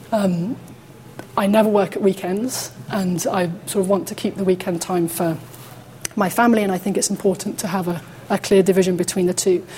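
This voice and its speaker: With a Birmingham accent, a woman talks at a fairly quick pace in a medium pitch over noticeable background noise. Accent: Birmingham (Brummie) English. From Birmingham, England. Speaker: neuroscientist. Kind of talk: talk to an audience.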